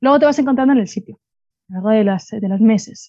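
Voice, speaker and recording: With a dark, mellow tone, a woman speaks at a fairly high pitch and with fairly even intonation. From Spain, Madrid. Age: 20s. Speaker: social entrepreneur and startup CEO. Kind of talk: interview conversation.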